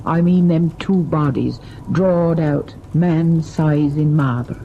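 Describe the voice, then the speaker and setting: A gravelly, unhurried servant woman, deferential and uneasy. She has a mellow, guarded delivery in old radio drama style, on a dull, hissy recording. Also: low-pitched. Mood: hushed, foreboding.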